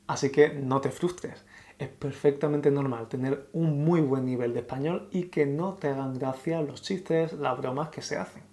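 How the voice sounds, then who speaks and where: Spanish teacher with an Andalusian accent. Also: male voice, on the high side, normal speed. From Andalusia, Spain. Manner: calm, clear explanatory delivery addressed to learners. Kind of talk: scripted online Spanish lesson.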